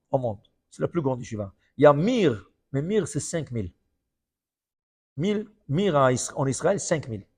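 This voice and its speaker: A high-voiced man preaching as a rabbi. He tells stories with animated swings of pitch and loudness, repeats phrases for emphasis and keeps checking that his listeners follow. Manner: animated storytelling with many repetitions; often checks in with "ok?". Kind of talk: sermon.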